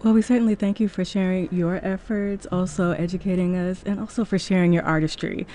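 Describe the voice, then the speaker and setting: A woman's voice: fairly low pitch, steady tone, fairly quick, dark tone, a little hiss or hum. A woman hosting a broadcast interview, asking questions and thanking her guest graciously. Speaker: radio host.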